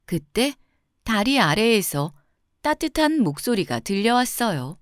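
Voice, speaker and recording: A woman narrating a scripted fairy tale for children in a gentle, expressive storytelling manner with clear phrasing. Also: medium pitch, unhurried, no room sound, clean studio sound.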